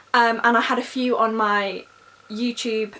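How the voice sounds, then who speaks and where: Noticeable background noise beneath a fairly high female voice. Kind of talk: casual Q&A vlog. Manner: loud; hesitant with many fillers.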